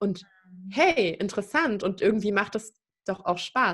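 A normal speaking voice from a woman with a fairly high pitch. She talks at a moderate pace with lively intonation. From Baden-Württemberg, Germany. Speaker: life coach. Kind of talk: interview.

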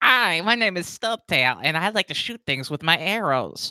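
At a moderate pace, a female-sounding put-on character voice speaks at a fairly low pitch.

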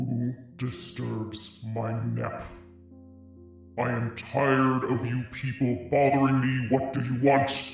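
Over clear music and a slight echo, a man uses a put-on character voice, gravelly and gruff at medium pitch, at a fairly slow pace. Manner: irritated, annoyed.

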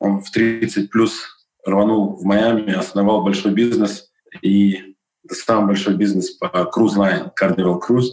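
A man with a fairly low pitch speaks at a fairly slow pace with fairly even intonation. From Israel. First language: Hebrew (speaking Russian). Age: 40s. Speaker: real estate broker. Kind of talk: interview.

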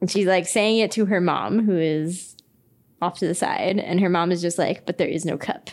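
A woman with an American accent has an unremarkable speaking voice at a medium pitch, with fairly even intonation and very even loudness. She talks at a moderate pace on a very clean recording with a silent background. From Philadelphia, US. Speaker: podcast host. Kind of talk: casual chat. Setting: at a kitchen table. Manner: laughs often.

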